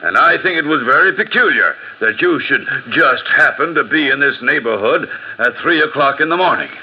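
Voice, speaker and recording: Casting: man as a self-important inept policeman, husky, swooping pitch, dull old recording. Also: animated, normal speed. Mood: accusing. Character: pompous bumbling male Paris gendarme. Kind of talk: radio play acting.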